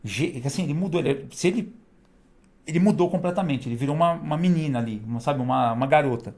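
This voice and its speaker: A man tells stories as a guest in an animated way, laughing now and then. He talks very fast. His voice sits a little high for a man. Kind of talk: casual storytelling.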